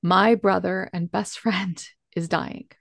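Woman, earnest, emphatic, gravelly voice, dry close sound. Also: lowish voice, fairly even intonation, slow, a bit bright, no room sound. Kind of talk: candid conversation.

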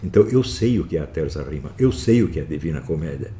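Very low voiced guy teaching a class, dark mellow tone, gets heated and scolds, faint hiss behind. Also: lively intonation, fast. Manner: scolding, emphatic, many tag questions. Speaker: teacher lecturing students. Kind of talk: philosophy lecture.

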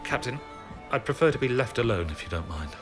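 A man's voice: mid-range voice, sing-song, quick pace, close to an everyday voice. Proud young officer played by a man, music behind. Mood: resentful, hurt. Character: proud, resentful young male military officer. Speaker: actor in a science fiction audio drama. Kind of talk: dramatic acting.

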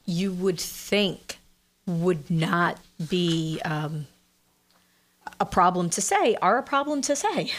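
Slow-talking woman co-host. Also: on the low side, expressive, fairly bright tone. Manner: slow and deliberate, chatty. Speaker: real estate show co-host. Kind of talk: casual chat.

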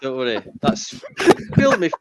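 A man's voice: mid-range voice, wildly swooping pitch, moderate pace, very noisy. A man hosting a casual football podcast, joking as he presents each segment. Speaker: podcast host.

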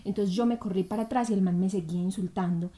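Animated young Colombian woman telling a story. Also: medium pitch, fast talker, slightly rough. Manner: animated, acts out quotes, laughs often. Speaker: storyteller guest. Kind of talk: casual chat.

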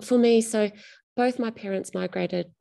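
A middle-aged woman being interviewed about her writing. Her voice is dark and mellow with a gravelly edge. She speaks thoughtfully and often restarts her phrases. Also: on the high side, a little slow. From Australia. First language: Greek. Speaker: author.

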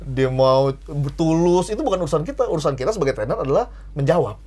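Animated man coaching in casual chat. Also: fairly high pitch, quick pace. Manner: animated, acts out quoted voices, laughs often. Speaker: trainer and character coach, podcast guest. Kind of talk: casual podcast conversation.

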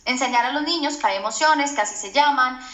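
Psychologist guest, woman, high and bright voice, earnest explainer, roomy echoing recording. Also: quick pace. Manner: earnest teacher tone, often asks for agreement. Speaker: psychologist guest on a parenting podcast. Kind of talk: explanatory podcast interview.

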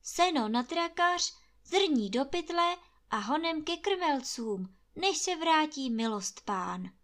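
A woman's voice: sits high, animated, a bit bright, voice pushed up. A woman doing a fretful old gamekeeper. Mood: pleading. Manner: pleading, anxious. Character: fearful old male gamekeeper, lamenting.

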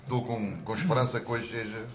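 A man's voice: medium pitch, little pitch movement, fairly quick, noisy background. A male host leading a casual, teasing chat with former footballers in a bar. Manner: jovial, teasing. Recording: loud background music.

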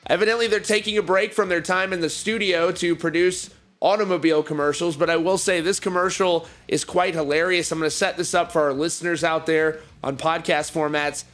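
A man's voice: fairly high pitch, fairly even intonation, brisk, fairly bright tone. A man presenting music news as the host of a rock show, in an upbeat commentary style. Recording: music playing behind the voice.

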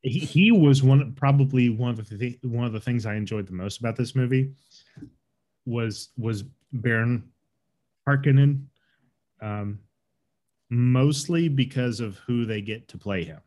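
A podcast co-host gives loose, opinionated takes on a film in a casual movie review chat. His mid-range voice is a little slow and mellow. He rambles, restarts sentences often and circles back to his point.

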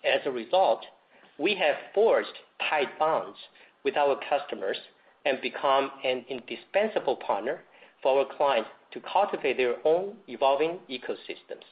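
A man delivers a scripted corporate report to investors. His phrasing is formal and measured, at an average male pitch. The sound is dull and lo-fi, like a conference call recording. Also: animated. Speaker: company executive. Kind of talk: scripted earnings call presentation, read aloud.

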